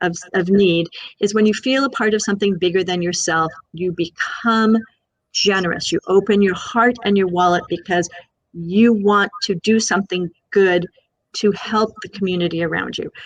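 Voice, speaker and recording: At a moderate pace, a woman talks in a plain, everyday voice with medium pitch and fairly even intonation. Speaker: fundraising consultant. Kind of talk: webinar advice talk. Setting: live video stream.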